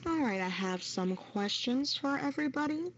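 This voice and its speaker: A woman with a high, animated voice at normal speed hosts a live quiz, reading trivia questions and confirming participants' answers. The voice-chat audio is dull, noisy and lo-fi.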